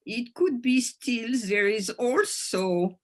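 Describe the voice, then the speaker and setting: A woman's voice: on the high side, expressive, slow pace. A woman with a French accent, a native French speaker, gives an informal teaching talk to a group, searching for words in her second language. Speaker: workshop presenter.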